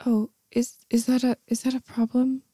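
A woman voicing a shy, breathy young lover. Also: on the high side, little pitch movement, normal speed, no room sound, clean studio sound. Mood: shy, nervous. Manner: soft, breathy, often whispering. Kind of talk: intimate audio roleplay.

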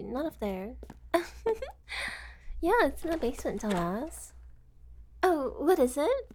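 A woman's voice: high-pitched, darkish tone, a little hiss or hum. A woman playing a giggly, unhinged young woman kidnapper who teases and whispers asides in a sweetly menacing way. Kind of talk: audio roleplay acting.

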